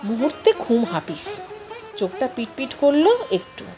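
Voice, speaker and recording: A woman reads a literary story in a high, very animated voice. Her narration is expressive, and music plays behind her. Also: unhurried.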